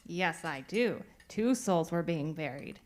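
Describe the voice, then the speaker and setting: A crabby, no-nonsense village landlady, acted by a woman in a radio play. The delivery is blunt and gossipy, in a slightly low female voice. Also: lively intonation, slow, a little mellow. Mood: bluntly gossipy. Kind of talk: radio theatre acting.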